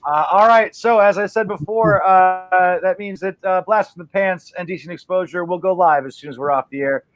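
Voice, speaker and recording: A man's voice: sits high, moderate pace. A man hosting a comedy livestream in a loose, chatty way with many fillers. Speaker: host.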